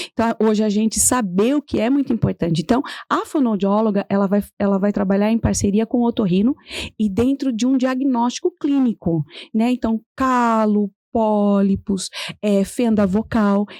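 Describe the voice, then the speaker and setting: Against a silent background on a very clean recording, with a dry, close sound and no echo, a woman speaks at a moderate pace in a fairly high pitch, with a dark, mellow tone, ordinary pitch variation, and very even loudness. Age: 40s. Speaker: vocal coach. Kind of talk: casual chat.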